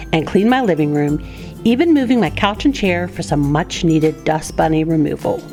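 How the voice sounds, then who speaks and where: Music plays behind the voice. A woman talks at a moderate pace. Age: 50s. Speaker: stay-at-home mom and cleaning vlogger. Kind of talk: casual voiceover for cleaning vlog. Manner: friendly, chatty.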